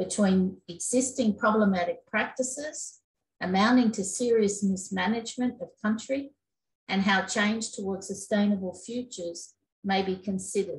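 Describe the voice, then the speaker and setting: Somewhat breathy, a woman with an Australian accent speaks at a moderate pace with ordinary pitch variation. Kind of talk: keynote lecture. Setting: online video conference. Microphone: webcam.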